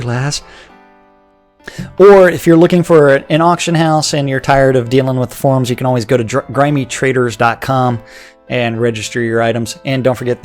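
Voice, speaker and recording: A man co-hosting a casual live show, rambling through a community calendar and sponsor reads with stammered restarts and frequent laughter. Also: medium pitch. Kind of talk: casual livestream chat.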